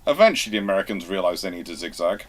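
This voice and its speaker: A man hosting a live question-and-answer history talk, speaking in a halting, emphatic way as he reworks his phrases. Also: low-pitched, animated. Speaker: host answering viewer questions.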